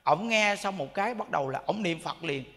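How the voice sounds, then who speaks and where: High-voiced Southern Vietnamese monk preaching. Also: male voice, animated, fairly quick, gravelly, sharp tone, big-room sound. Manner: colloquial, addressing listeners directly. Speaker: Buddhist monk. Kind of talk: sermon with storytelling. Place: temple hall.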